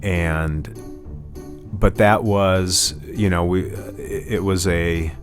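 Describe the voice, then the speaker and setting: A man's voice: low-pitched, steady tone, very slow, music in the background. A man guest in a casual interview, telling stories about his life as a musician, rambling with many restarts and "you know"s.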